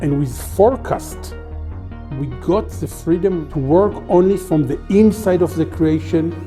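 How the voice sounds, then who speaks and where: A man's voice: a little high, a little slow, mellow, faint music behind. A man, an artist mentor, speaking animatedly and searching for words in an interview.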